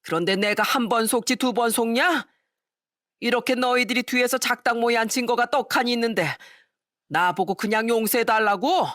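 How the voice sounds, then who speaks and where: A woman's voice: fairly high pitch, moderate pace, no room sound, studio quality, pitched above the performer's own voice, lightly acted. A woman voicing an old father-in-law who throws out his scheming new family and later weeps with regret. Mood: furious. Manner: shouting angrily, then sobbing. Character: remorseful old father-in-law, furious then weeping.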